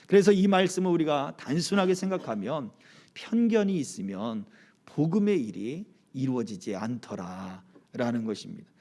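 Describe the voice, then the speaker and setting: A man's voice: medium pitch, very animated, normal speed, mellow. A male pastor delivering a Sunday sermon at a church service, preaching with animation and asking the congregation questions. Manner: leads the congregation in reading aloud together.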